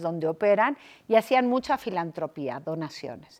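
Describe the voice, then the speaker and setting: A woman speaks at a medium pitch and a moderate pace with a slight Argentine accent, against a quiet background. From Argentina. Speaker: director of a sustainability business association. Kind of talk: interview.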